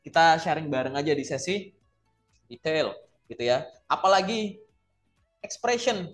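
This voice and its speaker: A man's voice: on the high side, lively intonation, measured pace, a bit bright, soft background music. A man coaching on job interviews in a casual talk, explaining points by acting out sample answers. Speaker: career coach.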